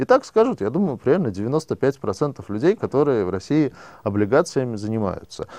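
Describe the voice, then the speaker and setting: Against a quiet background, a man with a dark, mellow tone makes very wide pitch swings. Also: dry, close sound with no echo. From Russia, Saint Petersburg. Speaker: entrepreneur. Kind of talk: interview. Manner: casual.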